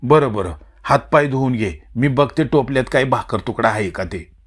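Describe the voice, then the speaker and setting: A man's voice: medium pitch, animated, moderate pace, husky. A male narrator voicing a worried, protective old village mother who talks in rustic speech. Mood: tender.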